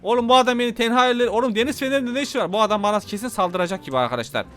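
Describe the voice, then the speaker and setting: A man giving casual, excitable commentary while playing a game, talking to his viewers and to the passengers in the game. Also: very high voice, very fast, soft background music. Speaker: gameplay commentator.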